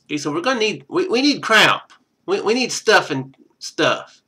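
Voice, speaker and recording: A man's voice: high voice, sing-song, moderate pace, bright, forceful tone, husky. A man streaming a game, reading its text aloud and adding casual, wry asides.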